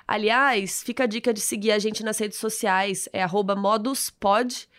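A woman's voice: mid-range voice, steady tone, moderate pace, fairly bright tone. A woman with a Brazilian Portuguese accent co-hosting a podcast in casual, upbeat chat, laughing easily. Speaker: podcast co-host.

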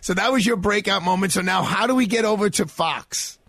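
A man, hosting a radio interview in a casual, conversational way with a husky voice. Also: high-pitched, fairly quick, a bit bright, dry recording, clean studio sound. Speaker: radio talk show host.

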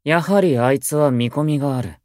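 A man's voice: a little high, brisk, darkish tone, no echo, studio quality, lightly acted. An actor playing a stern, proud, aloof young male idol in a Japanese voice drama, with curt, formal and haughty speech. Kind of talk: Japanese anime-style voice drama acting.

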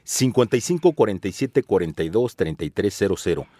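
A man's voice: lowish voice, expressive, a little fast, mellow, dry recording. A man with a Mexican accent co-hosting a radio show, reading out phone numbers and promotions in a salesy, friendly way.

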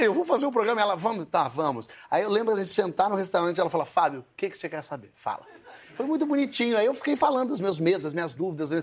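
Fast-talking comedian man, high voice. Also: breathy edge. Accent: Brazilian Portuguese. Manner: comic, acts out voices, laughs often. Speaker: comedian guest. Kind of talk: animated storytelling interview.

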